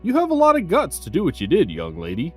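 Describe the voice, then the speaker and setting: A man's voice: on the high side, huge pitch swings, quick pace, darkish tone, soft background music. A man playing a tired older taxi driver in a fan audio drama, stern but polite, with a reproving, formal way of talking. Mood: curious.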